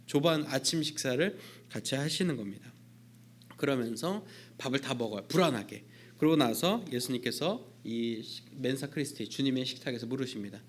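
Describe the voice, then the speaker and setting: A man's voice: mid-range voice, lively intonation, normal speed, a little hiss or hum. A man, a youth pastor, preaching a sermon in a church service in a conversational way, with frequent fillers.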